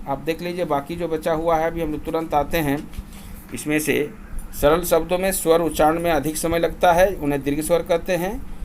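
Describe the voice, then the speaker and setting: A man teaching a grammar lesson, who drills lists of vowels slowly and deliberately, repeating them in a chant so students can recite along. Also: a little high, slight background noise. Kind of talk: classroom lesson.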